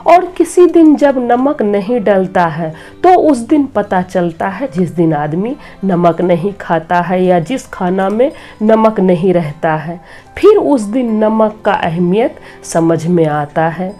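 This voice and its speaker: A middle-aged woman, slightly hoarse, earnestly telling a devotional story and giving moral advice as host of her channel. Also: medium pitch, expressive, takes it slowly, faint music behind. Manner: earnest, preachy, gently advising.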